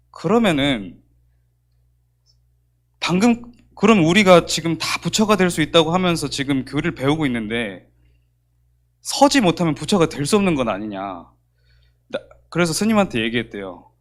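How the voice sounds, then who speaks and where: A man preaching a sermon as pastor in a church, telling a story in an animated way and acting out the dialogue. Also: fairly high pitch, moderate pace, long pauses.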